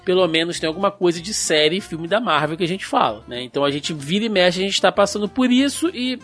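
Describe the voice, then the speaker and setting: A Brazilian man hosting a casual podcast, chatty, with a pinched, nasal voice that sounds worn out from shouting. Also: high voice. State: worn out after shouting and drinking. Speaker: podcast host. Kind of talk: casual pop culture podcast talk.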